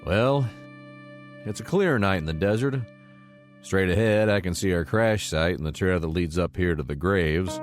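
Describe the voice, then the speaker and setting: A stoic male military survivor played by a man, with a deep, low voice. He speaks in a measured, nostalgic way, as audio drama with plucked guitar underneath. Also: close to an everyday voice. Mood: reflective.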